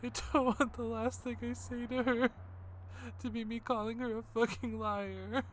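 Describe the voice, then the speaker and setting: A woman's voice: fairly high pitch, little pitch movement, moderate pace, slight background noise, close to an everyday voice. A woman playing a distraught, hot-headed, foul-mouthed character in an audio drama, blunt and urgent.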